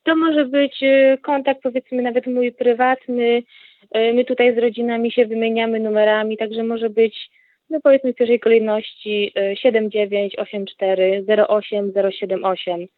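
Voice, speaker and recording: A woman phones in to a radio show, her voice sitting a little high and squeezed through a tinny, phone-like line with no room sound around it. She speaks haltingly, stopping often with hesitation sounds as she lays out her request. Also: level tone, no room sound. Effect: radio show caller on a phone line. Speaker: caller to a radio program. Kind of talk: phoned-in appeal.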